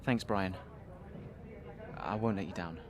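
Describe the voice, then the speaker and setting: A man's voice: sits low, slow, crowd noise. An actor playing a young male racing driver, earnest, modest and a little nervous in a game cutscene. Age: young adult. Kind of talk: video game cutscene acting.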